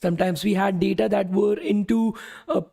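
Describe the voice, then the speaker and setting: Young man, coding instructor, strained tired voice, mellow dark tone, casual, fillers like okay and guys. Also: high voice, steady tone, normal speed, vocal fry. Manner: casual, repeats "okay" and "guys", answers chat questions. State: strained voice from talking all day. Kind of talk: live-streamed coding lesson.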